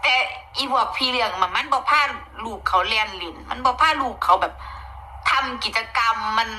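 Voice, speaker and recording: A woman's voice: on the high side, normal speed, sharp tone, slight background noise, rough recording. A woman with a Northeastern Thai Isan accent giving chatty, opinionated gossip commentary, often exclaiming. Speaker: online commentator.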